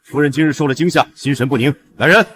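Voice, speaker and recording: Ruthless household lord played by a man: brisk, decisive, threatening costume drama delivery. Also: fairly high pitch, a bit bright, close to an everyday voice. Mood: cold, threatening. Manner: menacing, decisive. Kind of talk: costume short drama acting.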